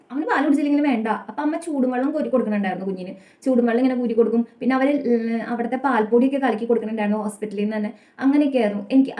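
Speaking to camera in an echoey room, this young vlogger with a Malayali accent shares a personal story earnestly and confessionally. She has a high, mellow voice, and her rapid telling is peppered with the tag "kettō".

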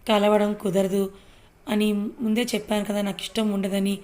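A young wife who is quick to anger, answering in sharp, reproachful lines, as a woman storyteller puts her on. The pitch stays flat and level, with little rise or fall, in a steady storybook read. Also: natural voice.

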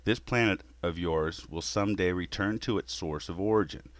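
A man voicing a weary creator god in a scripted monologue, lecturing humanity in a scornful, measured way. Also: sits low, dry recording, close to an everyday voice.

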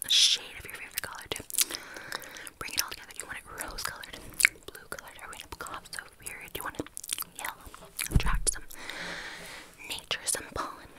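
A young adult woman in a whispered role-play as an ASMR face painter, breathy and very close to the mic, with tingly wet mouth sounds. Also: fairly quick, pauses often, poor audio. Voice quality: breathy, soft, unvoiced whisper. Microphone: close studio mic with fluffy windscreen.

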